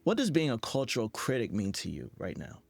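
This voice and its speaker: A man's voice: medium pitch, wildly swooping pitch, brisk, gravelly, no echo, faint music behind. A man hosting a podcast interview in a conversational, affirming style. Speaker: interview host.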